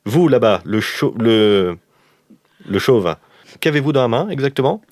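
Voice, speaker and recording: A man playing a vain, polite artist-adventurer with a halting, pompous and formal manner in an improvised role-play. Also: mid-range voice, expressive, a little mellow, dry recording, clean studio sound, close to an everyday voice. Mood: wary, protective. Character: vain, hesitant male artist-adventurer, self-important and polite.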